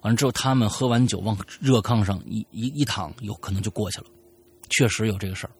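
A man's voice: fairly low pitch, fast talker, husky. A man hosting a storytelling podcast, narrating a listener's tale in a chatty way with frequent stammered repeats.

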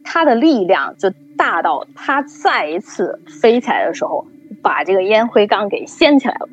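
A woman telling a story in casual chat, lively and acting out the people she quotes. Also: mid-range voice, moderate pace, a little hiss or hum. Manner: animated storytelling, acts out quoted voices. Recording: dull lo-fi recording.

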